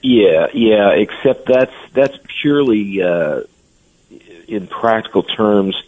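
A man's voice: fairly low pitch, animated, slow, narrow, tinny audio. A man speaking as a guest on a radio interview, giving earnest, blunt opinions. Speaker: guest commentator.

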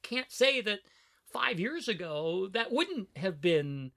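A middle-aged trans woman talks through her life on a podcast, her voice bright and forward. She is reflective but animated, often breaking into laughter. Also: mid-range voice, slow pace, dry recording, studio quality. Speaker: podcast co-host. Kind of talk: casual conversation.

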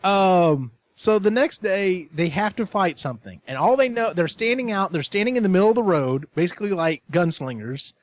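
Animated male storyteller, higher voice, swears a lot, lively pitch, dull lo-fi audio. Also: normal speed, few pauses. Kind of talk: casual chat, retelling a story. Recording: dull lo-fi recording.

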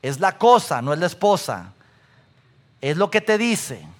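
A man preaching a sermon, animated, asking the congregation questions and listing examples. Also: on the high side, measured pace. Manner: animated, asks the audience questions, repeats lists. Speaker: pastor.

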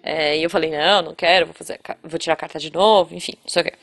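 A podcast host from the São Paulo area of Brazil chats casually, speaking very fast in a deep voice with a Brazilian Portuguese accent. She's an animated storyteller who acts out the quotes in her tale.

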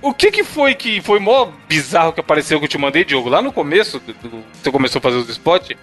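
A man's voice: a little high, sing-song, quick pace, music in the background. A man with a Brazilian accent hosting a casual podcast chat in slangy, sweary speech. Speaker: podcast host.

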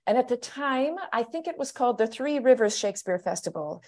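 A woman from Pittsburgh, a stage actor, speaking as a guest on a podcast in a thoughtful, measured way. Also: a little high, lively intonation. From United States (Pittsburgh). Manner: thoughtful, measured, often laughing softly. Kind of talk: casual podcast interview.

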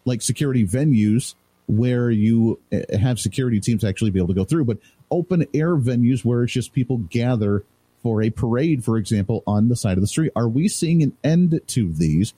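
A man's voice: mid-range voice, animated, brisk, dark tone, breathy edge. A man sitting in as a talk radio host, chatting loosely and laughing easily with his co-host. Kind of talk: casual talk radio chat.

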